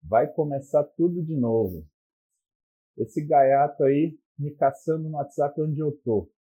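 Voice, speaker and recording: A man's voice: fairly high pitch, unhurried, warm tone, husky, low-quality recording. A man with a Brazilian Portuguese accent voicing a weary woman who dreads starting a new relationship, grumbling in exasperation. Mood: exasperated.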